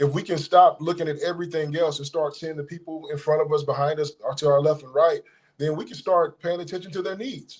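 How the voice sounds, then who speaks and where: A man with an American accent has an ordinary speaking voice, fairly high in pitch, with fairly even intonation. He talks at a fairly quick pace with big swings in loudness. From US South. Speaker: community organizer. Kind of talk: casual interview chat.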